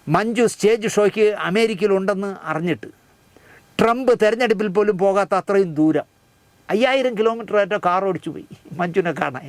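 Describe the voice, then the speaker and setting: A man's voice: high voice, dry recording. A man delivering mocking, scornful commentary on current events, speaking straight to the audience. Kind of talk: satirical commentary.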